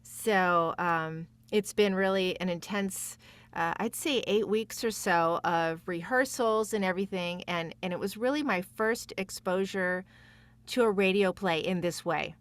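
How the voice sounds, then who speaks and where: A woman's voice: mid-range voice, measured pace, smooth. A woman chatting casually as a podcast guest, effusive and emphatic in the way she talks. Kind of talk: casual chat.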